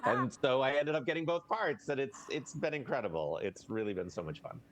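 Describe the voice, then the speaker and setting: A man speaks as a guest in a casual interview, at an ordinary middle pitch. He is animated and self-effacing, and faint noise sits behind him on the video call. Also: brisk. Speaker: guest, voice actor.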